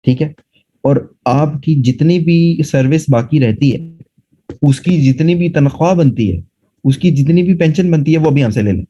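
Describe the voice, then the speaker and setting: A man's voice: a little high, normal speed, dark tone, slightly rough, dull audio. A man teaching a classroom lecture, explaining step by step and often checking that students follow. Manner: explanatory, asks students rhetorical check questions. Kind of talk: classroom lecture mixing Urdu and English.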